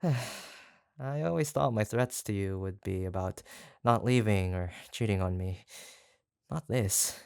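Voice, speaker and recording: An actor playing an obsessive, doting yandere kidnapper in a roleplay audio drama, halting and coaxing, tender yet menacing. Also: sits low, gravelly, darkish tone, smooth, dry recording, studio quality, full character voice. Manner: halting, gushing, coaxing, with nervous stammers. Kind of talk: roleplay audio drama, intimate one-sided monologue.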